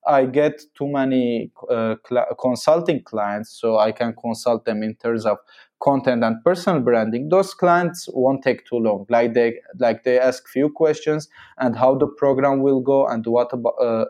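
Mellow man. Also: mid-range voice, moderate pace. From Syria. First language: Armenian and Arabic. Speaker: podcast guest, marketing agency founder. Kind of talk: casual conversational interview answers.

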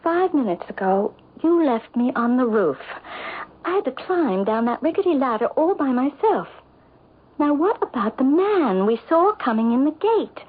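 An actress playing an anxious, probing wife in a radio drama, nervous, pleading and stammering. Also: female voice, high voice, big pitch swings, normal speed, husky, full character voice. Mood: insistent. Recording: tinny noisy old radio broadcast.

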